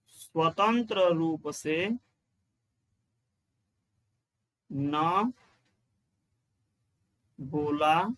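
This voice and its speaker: A man's voice: high voice, a bit bright. A male teacher giving an exam-prep grammar lesson, explaining step by step, repeating key lines and asking questions he answers himself. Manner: chants rules in a slow sing-song.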